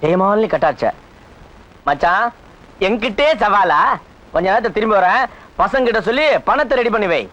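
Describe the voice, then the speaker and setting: An actor playing a boastful comic village moneylender and doting brother in a film comedy, talking in a theatrical, bragging way. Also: male voice, high-pitched, normal speed, pauses often, fairly bright tone, lo-fi sound. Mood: complaining. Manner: theatrical, bragging, breaks into off-key song.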